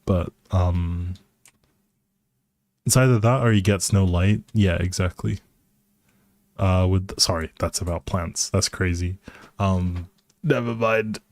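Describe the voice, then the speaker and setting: A man chats through his game stream at a very unhurried pace, musing and hesitating as he thinks aloud. His voice is low and very mellow, close and dry on the mic. Sentences often trail off into the next thought. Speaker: live streamer playing a life simulation game. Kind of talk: casual chatty gameplay commentary, thinking aloud.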